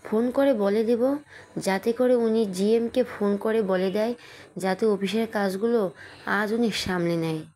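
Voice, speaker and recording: A quick-tempered young husband and office boss, gruff with others but soft with his wife, read by a woman in her everyday voice. Audio storybook romance, plainly spoken at a middle pitch. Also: steady tone, close to an everyday voice. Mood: annoyed. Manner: gruff, then tender teasing.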